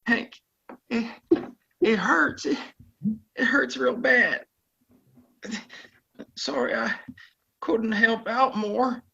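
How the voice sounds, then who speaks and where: A young wounded cowboy voiced by a woman, slow and halting, with a creaky, husky strain. He is earnest and in pain. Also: on the high side, sing-song, bright, forceful tone, lo-fi sound, exaggerated voice. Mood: dying, pained. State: weak, pained, halting. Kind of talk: Western audio drama acting.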